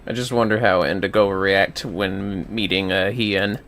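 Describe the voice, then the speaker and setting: Bright-voiced man casually streaming a game. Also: low voice, fairly even intonation, moderate pace. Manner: informal asides, swearing. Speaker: livestreamer.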